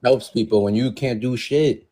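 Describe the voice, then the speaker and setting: A man's voice: mid-range voice, steady tone, normal speed, crowd noise. A man calling into a livestream, arguing confrontationally and profanely, often stopping and restarting. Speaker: caller. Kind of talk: heated livestream argument.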